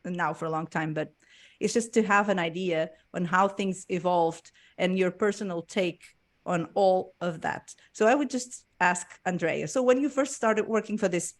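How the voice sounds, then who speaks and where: A woman hosting a podcast, enthusiastic and quick to laugh, often repeating words as she talks. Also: fairly low pitch. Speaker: podcast host. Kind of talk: casual interview chat.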